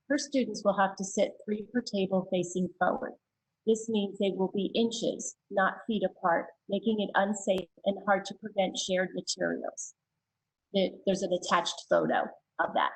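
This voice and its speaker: Reading public comments into the record at a school board meeting, this woman keeps a plain, steady tone, pausing now and then for a hesitant aside. Her voice is medium-pitched and husky, and the audio quality is poor.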